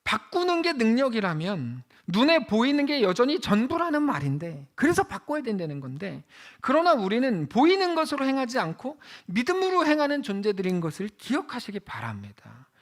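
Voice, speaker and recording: Male pastor preaching, high voice that jumps all over, chatty with the congregation. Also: a little fast, few pauses. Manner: conversational, asks the congregation questions; animated, swings from loud to hushed. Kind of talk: sermon.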